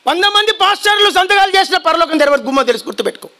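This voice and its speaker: A man preaching a fiery sermon to a congregation, shouting warnings and calling on listeners to repeat his words back to him. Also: extremely high pitch, lively intonation, rapid-fire. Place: church hall before a congregation.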